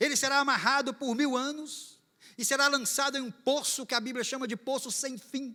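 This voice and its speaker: A man's raised, projected voice at an extremely high pitch, bright and sharp in tone, with monotone, flat intonation. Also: moderate pace, very clean recording, silent background. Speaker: pastor. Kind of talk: sermon.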